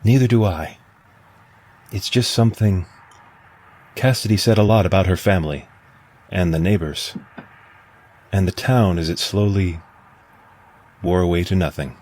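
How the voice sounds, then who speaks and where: An actor voicing a thoughtful male android, soft-spoken and reflective. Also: low voice, a little slow, pauses often. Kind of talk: radio drama acting.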